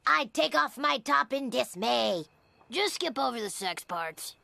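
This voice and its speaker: A woman's voice: high voice, lively intonation, a little slow, vocal fry, bright, forceful tone, a little hiss or hum, heavily acted. A woman voicing a cartoon character who recites a silly home play in a hammy, melodramatic way. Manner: hammy, melodramatic line reading. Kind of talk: cartoon voice acting.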